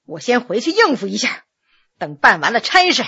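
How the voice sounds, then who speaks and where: A nervous, humble male magistrate, as a woman storyteller puts him on, sighing and stammering through his pleas. The voice sits lower than her own yet stays bright and lively in pitch, told as a spoken story. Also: moderate pace, husky, dull audio, heavily acted. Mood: rueful.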